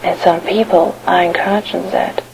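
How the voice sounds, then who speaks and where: A woman's voice: fairly low pitch, fairly even intonation, moderate pace, vocal fry, crowd noise, low-quality recording. A woman playing a haunted, troubled teenage girl who calls a radio pastor in a horror story, speaking plaintively. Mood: haunted, aggrieved.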